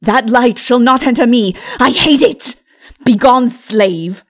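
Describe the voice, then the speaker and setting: A woman voicing a proud, tyrannical princess in a dark fantasy audiobook, with a forceful, haughty delivery. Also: fairly high pitch, slow. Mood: furious defiance. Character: defiant proud wicked princess, tyrannical and unrepentant.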